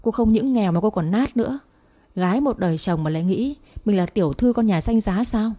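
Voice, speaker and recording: A woman's voice: mid-range voice, lively intonation, brisk, warm tone, close to an everyday voice. A woman doing a sneering rich older lady. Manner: sneering, mocking. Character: scornful rich older woman, future mother-in-law.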